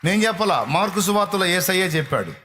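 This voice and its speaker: A man's voice: high voice, lively intonation, quick pace, sharp tone, a little hiss or hum. Fervent male preacher. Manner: fervent, repetitive preaching cadence. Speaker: pastor. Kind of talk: sermon.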